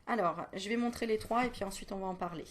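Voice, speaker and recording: Talking straight to the viewer, a woman does a casual animal card reading as a medium, chatty, playful and teasing. Her mid-range voice moves fast, breaking into giggles and self-mocking asides.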